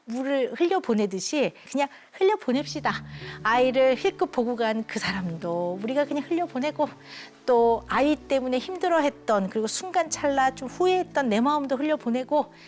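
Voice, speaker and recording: A woman speaking as a child psychiatrist guest on a TV talk show, telling an emotional story in an earnest, warm way and acting out the people she quotes. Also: high-pitched, lively intonation, moderate pace, hardly any pauses, soft background music. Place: TV studio.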